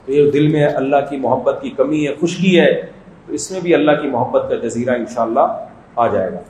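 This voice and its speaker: A man's voice: medium pitch, a little mellow, a little hiss or hum. Joking man preaching in an echoey room. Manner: joking, conversational storytelling. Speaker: mufti giving a religious talk. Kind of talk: humorous Islamic sermon.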